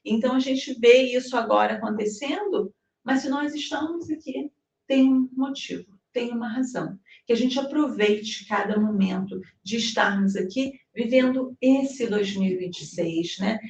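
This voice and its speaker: A woman from Brazil, giving an animated spiritist devotional talk. She often ends phrases with a questioning tag and acts out little dialogues. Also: on the high side, normal speed, dull audio. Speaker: spiritist speaker. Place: hall in New Jersey. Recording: roomy, mic at a distance.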